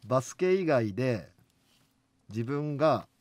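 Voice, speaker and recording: A man's voice: medium pitch, animated, slow, a little mellow, dry recording. A man and head coach reading out questions and teasing his players in a radio booth, blunt and eager. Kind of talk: casual chat, reading out questions.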